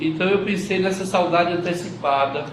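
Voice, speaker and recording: Audible room echo and noticeable background noise surround a man speaking at a moderate pace with a high pitch. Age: 70s. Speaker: panel moderator, professor. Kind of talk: panel discussion.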